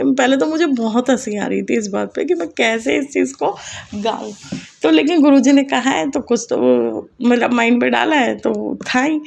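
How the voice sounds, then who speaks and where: A woman's voice: a little high, creaky. A middle-aged woman sharing a heartfelt spiritual experience with a congregation, chatty and emotional. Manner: chatty, emotional, sings short devotional lines. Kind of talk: personal testimony to a congregation.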